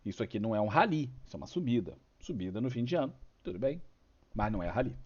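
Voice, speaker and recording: A man's voice: medium pitch, very animated, fast, slightly rough, muffled recording. A Brazilian man with a cold and a cough, hosting a casual stock market chart talk full of rhetorical questions. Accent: Brazilian Portuguese. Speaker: host of a stock market channel.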